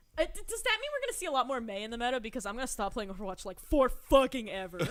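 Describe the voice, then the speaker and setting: A woman's high-pitched, animated voice at a very fast pace, with very wide pitch swings and noticeable background noise. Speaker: podcast host. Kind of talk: casual chat.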